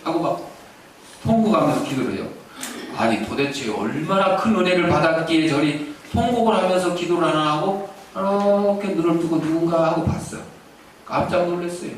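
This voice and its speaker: A pastor preaching a sermon and telling a story with animation, recorded in a church sanctuary. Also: male voice, fairly high pitch, moderate pace. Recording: echoey church, distant mic, faint hiss.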